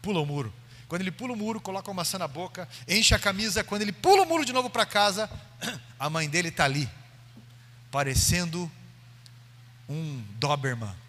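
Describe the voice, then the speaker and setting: A man's voice: sits high, expressive, brisk, long pauses, sharp tone. A Brazilian man preaching a sermon in church, telling a story with dramatic acted-out voices. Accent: Brazilian Portuguese. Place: church sanctuary. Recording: long church hall reverb.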